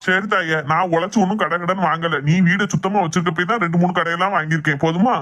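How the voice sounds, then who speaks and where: Woman voicing an exasperated middle-aged husband, sarcastic, rapid. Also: fairly low pitch, fairly even intonation, fairly bright tone, lightly acted. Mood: grumbling. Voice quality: grumbling, sarcastic. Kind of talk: comic family skit.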